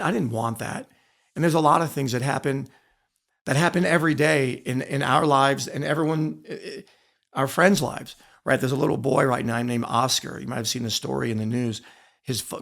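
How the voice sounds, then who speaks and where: A middle-aged American man with a gravelly, mid-range voice that's a bit bright. He's a podcast guest, an author and former wrestler, earnestly telling personal stories in an interview and repeating phrases for emphasis.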